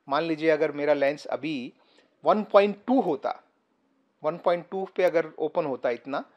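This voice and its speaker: A man with a voice a little higher than most gives a patient photography lesson straight to the camera. He explains one idea at a time, pausing often and filling gaps with short hesitations. He sits indoors on a sofa, picked up by a camera a few feet away. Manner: patient, step-by-step explaining with frequent pauses and fillers. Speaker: photography teacher. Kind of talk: casual explainer tutorial to camera. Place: indoor room, seated on a sofa. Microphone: camera about three feet away.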